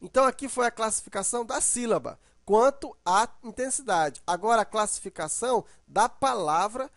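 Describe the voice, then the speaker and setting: A man's voice: high-pitched, expressive, normal speed, a bit bright, no echo, studio quality. A man teaching an online grammar lesson. He explains patiently, draws out example words to show the stressed syllable, and often checks in with "né?" or "ok?".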